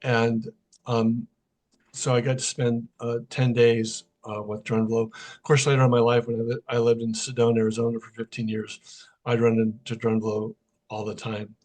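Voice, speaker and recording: A man's voice: mid-range voice, level tone, normal speed, a little mellow. A middle-aged man, a podcast guest, casually telling a personal story and recounting what was said in quoted dialogue. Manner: conversational, recounts events through quoted dialogue. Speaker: podcast guest, sound healer.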